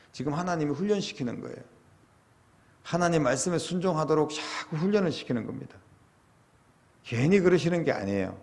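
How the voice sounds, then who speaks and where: Pastor, man, middle-aged, preaching sermon, rhetorical questions, emphatic swells. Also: medium pitch. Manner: rising to animated, emphatic peaks when voicing complaint and prayer.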